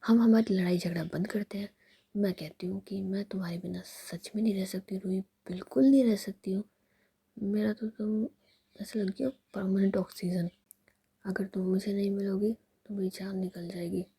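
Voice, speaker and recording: A woman's voice: mid-range voice, fairly even intonation, normal speed, creaky, mellow, slightly rough. A woman whispering as a doting girlfriend, coaxing. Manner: coaxing, pleading, wheedling. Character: playful, doting young woman in love. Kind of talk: whispered role-play.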